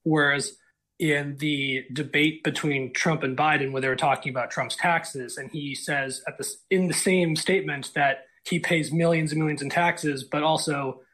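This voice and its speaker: A man's voice: on the high side, steady tone, moderate pace, fairly bright tone. A man calling into a talk show, speaking hesitantly and searching for his words. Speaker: caller. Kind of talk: casual call-in chat.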